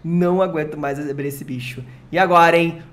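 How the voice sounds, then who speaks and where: An excitable, slangy streamer from Brazil opening card packs live, who swears and jokes with chat. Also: mid-range voice, a little fast, heavy background noise. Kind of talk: live unboxing chat with viewers.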